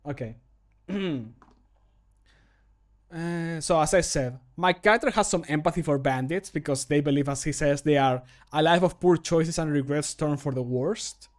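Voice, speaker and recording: A man in his thirties with a fairly high voice chats casually as a streamer at home. His manner is joking and self-deprecating, with loose swearing. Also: moderate pace. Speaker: streamer recording mod voice lines. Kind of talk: casual livestream chat. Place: indoor home room.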